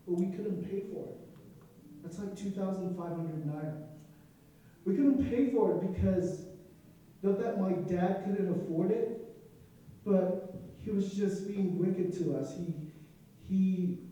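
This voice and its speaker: A man's voice: fairly high pitch, warm tone, slight background noise. A young man from Nigeria with a Nigerian accent, telling a personal story to an audience, earnest and emotional with asides. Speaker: student speaker. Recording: echoey room, distant from the mic.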